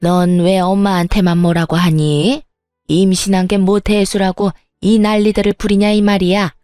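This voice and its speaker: A woman's voice: lowish voice, warm tone, no echo, studio quality, lightly acted. A woman voicing an angry, scolding middle-aged mother-in-law in a narrated story, talking in a sneering, hectoring way.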